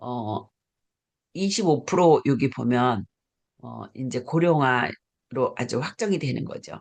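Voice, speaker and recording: Against a quiet background, the speaker goes at a very slow pace with lively intonation. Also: woman. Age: 70s. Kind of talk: lecture.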